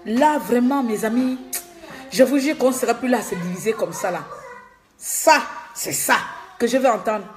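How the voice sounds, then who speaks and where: A woman from Gabon delivering a fiery political monologue, scolding and repeating herself, laughing at times and dropping to a low confiding tone. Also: moderate pace, faint music behind. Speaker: political activist vlogger.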